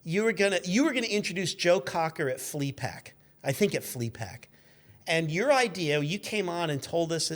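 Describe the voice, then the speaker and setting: A man in his fifties telling stories casually and in an animated, profane way as a podcast guest. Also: fairly high pitch, gravelly. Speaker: podcast guest, former radio intern. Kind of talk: casual storytelling.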